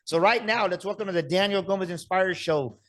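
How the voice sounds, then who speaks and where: A man hosting a motivational podcast, energetic and urging listeners to act. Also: sits high, brisk. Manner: energetic, hyped-up delivery with repeated calls to action. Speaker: podcast host.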